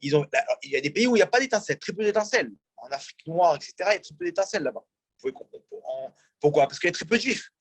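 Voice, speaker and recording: A man's voice: high voice, lively intonation, rapid-fire, breathy edge, no echo. A man, a rabbi, teaching a religious class and asking his audience questions as he explains. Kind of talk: religious lecture. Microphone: in-room mic, also streamed on a video call.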